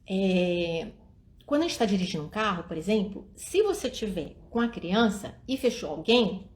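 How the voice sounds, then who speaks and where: A woman's voice: mid-range voice, sing-song, moderate pace. A middle-aged woman speaks outdoors at night in a live-stream talk on raising children. She talks to her viewers directly and acts out the words of parents and children. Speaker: early childhood education speaker.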